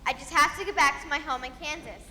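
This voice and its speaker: A woman's voice: sits high, fast talker, pushed and bright. A woman playing an earnest, meek little farm girl, polite and pleading, in a children's stage play. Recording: echoey hall, faint noise.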